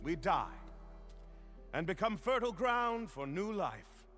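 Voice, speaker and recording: An actor playing a proud, fatalistic tribal religious elder in a video game, speaking in a solemn, formal and pompous way. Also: male voice, high-pitched, sing-song, measured pace, fairly bright tone, soft background music, exaggerated voice. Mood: solemn, resigned. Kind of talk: dramatic video game acting.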